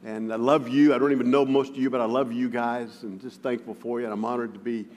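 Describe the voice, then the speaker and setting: A man's voice: medium pitch, little pitch movement, fast talker, a little mellow. A man preaching as a guest, who stutters with frequent repeated words and tells stories with self-deprecating humor. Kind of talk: sermon with personal storytelling. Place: church sanctuary. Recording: long reverb of a large hall.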